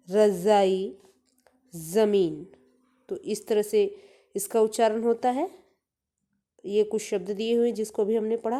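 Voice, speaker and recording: A woman teacher giving an online lesson to young children, reading out words slowly and clearly for pupils. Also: mid-range voice, dark tone.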